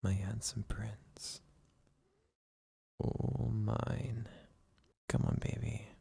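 A man voicing a doting, possessive boyfriend in an ASMR roleplay who whispers slowly to lull the listener to sleep. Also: fairly low pitch, fairly even intonation, heavily acted. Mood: soothing. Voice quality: whispery, gravelly, breathy. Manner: slow, soothing, coaxing hush.

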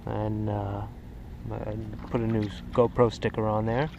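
A man's voice: fairly low pitch, unhurried, vocal fry. A man casually showing off his kayak gear, rambling with plenty of fillers, recorded outdoors on the water with an action camera. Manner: relaxed, rambling, frequent "uh" fillers. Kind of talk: casual show-and-tell narration. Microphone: action camera mounted on the kayak. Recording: noisy outdoor camera audio with wind and water.

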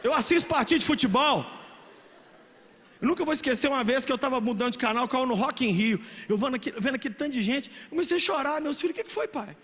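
A middle-aged Brazilian pastor from Minas Gerais with an unusually high, bright voice that leaps all over the place. He preaches with jokes and sudden shouts, his words ringing with the long echo of a big church hall. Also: quick pace. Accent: Brazilian Portuguese, Minas Gerais. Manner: animated, shouting, joking storyteller. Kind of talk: lively youth sermon.

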